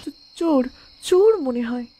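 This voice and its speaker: A woman's voice: sits high, lively intonation, normal speed, mellow, slight background noise. A woman playing a flirtatious, scheming married woman in a comic cartoon, with a coquettish, coaxing manner. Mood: flustered. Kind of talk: exaggerated comic cartoon dialogue.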